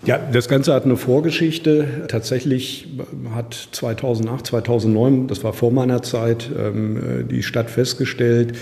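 A man's voice: medium pitch, fairly even intonation, measured pace, vocal fry, few pauses, warm tone. A male professor answering an interview question, hesitant with many fillers. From moved here from Berlin. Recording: roomy with long reverb.

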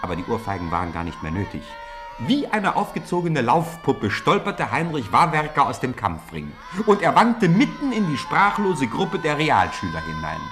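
A man narrating a children's audio drama in an expressive storytelling manner. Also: mid-range voice, normal speed, music in the background.

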